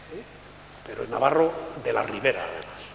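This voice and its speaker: Noticeable noise hums in the background. A man's voice carries audible echo from the room. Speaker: panel moderator. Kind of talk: panel discussion moderation. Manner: halting, frequent repetitions.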